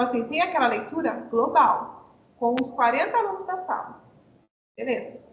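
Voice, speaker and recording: Brazilian woman leading online teacher training. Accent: Brazilian Portuguese. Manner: explanatory, asks and answers her own questions. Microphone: video call. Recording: echoey room with faint rumble.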